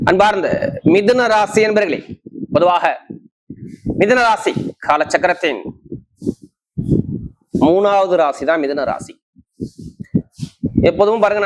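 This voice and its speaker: A man's voice: high voice, low-quality recording. A man presenting horoscope forecasts as an astrologer, talking emphatically in short, repeated, list-like bursts. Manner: emphatic, repetitive, listing points in short bursts. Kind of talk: monthly horoscope talk to camera.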